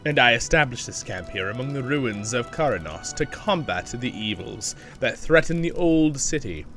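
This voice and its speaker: A man's voice: mid-range voice, animated, normal speed, a bit bright, soft background music. A man voicing a stern, welcoming male camp leader, reading quest text aloud. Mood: solemn.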